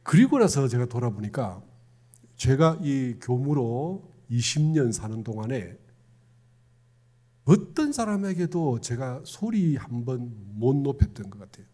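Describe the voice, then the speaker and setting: This conversational sermon comes from a middle-aged Won Buddhist minister, a Gyeongsang province native with that Korean accent, who questions the congregation as he goes. He has a warm, medium-pitched voice that swings widely and moves a little slowly.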